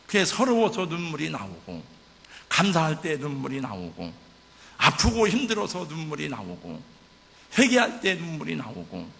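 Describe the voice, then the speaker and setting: With a slightly high, pushed and bright voice edged by vocal fry, an older pastor delivers a sermon full of vivid, emotional storytelling. He's in a church sanctuary, and the hall's reverb is audible.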